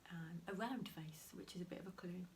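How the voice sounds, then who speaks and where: A woman talks casually to camera, her voice set a little low and slightly nasal from a cold. She half-whispers, chats softly, and laughs quietly now and then. Faint rain patters behind her. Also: a little fast, slight background noise, rough recording. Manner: soft, chatty, often half-whispered with small laughs. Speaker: crafting vlogger. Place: home room beside a window, heavy rain outside.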